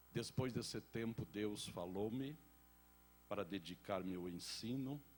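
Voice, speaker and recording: Talking at a very slow pace, a man uses a fairly low pitch with ordinary pitch variation. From southern Brazil. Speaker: pastor and Bible teacher. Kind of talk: sermon.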